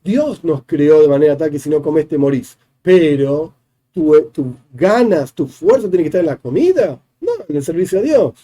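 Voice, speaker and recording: A rabbi teaches a Hasidic discourse in an explanatory religious class, walking through each idea step by step and repeating his definitions. His voice sits on the high side, mellow, with lively intonation and a moderate pace.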